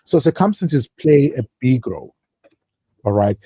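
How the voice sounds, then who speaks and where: A man's voice: mid-range voice, very animated, measured pace, dark tone, slightly rough. A man from South Africa, a guest on a talk show, speaking at length in an expansive, speechifying way. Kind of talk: talk-radio interview.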